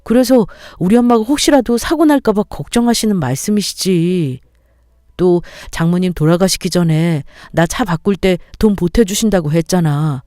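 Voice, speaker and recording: A woman's voice: on the low side, moderate pace, dark tone, no echo, clean studio sound, close to an everyday voice. A woman voicing a selfish young husband who coaxes and justifies himself in a dramatized story reading. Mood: placating. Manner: coaxing, self-justifying.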